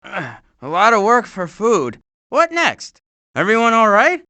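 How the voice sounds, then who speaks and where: A man voicing a fretful, long-suffering turtle in an animated video game. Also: high voice, measured pace, full character voice. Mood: fretful, exasperated. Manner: fretful, exasperated, hesitant.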